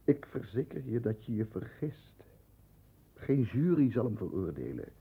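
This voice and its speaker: A man acting a stern, proud middle-aged lawyer in a 1960s radio play, speaking with formal, measured diction. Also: mid-range voice, sing-song, dark tone, breathy edge, full character voice. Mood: stern, urgent. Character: stern, proud male lawyer protecting the family name. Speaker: actor in a radio drama. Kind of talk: 1960s Dutch radio play acting, first-person narration and dialogue. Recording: muffled, thin 1960s radio recording.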